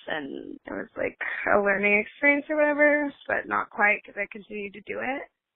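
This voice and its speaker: A woman speaks with lively intonation. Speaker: caller. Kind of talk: casual chat. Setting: phone call. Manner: halting.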